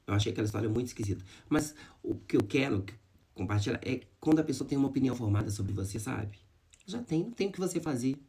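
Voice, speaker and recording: A man's voice: mid-range voice, darkish tone. A man telling viewers a personal story of hardship and faith, talking straight to them in an emotional, heartfelt way. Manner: emotional, addresses viewers as "gente", religious. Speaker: vlogger. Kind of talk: personal testimony to camera.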